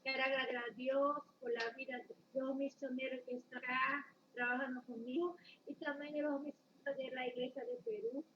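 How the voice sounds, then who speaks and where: Woman, Paraguayan accent, high voice, halting, dull lo-fi audio with faint hiss. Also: level tone, recorded from a distance. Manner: hesitant, searching for words. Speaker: missionary. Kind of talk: live-stream church talk.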